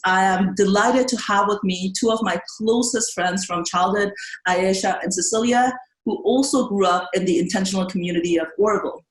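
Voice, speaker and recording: A woman's voice: mid-range voice, roomy sound, rough recording. A young woman hosting a podcast, welcoming guests with friendly, slightly scripted introductions. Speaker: podcast host.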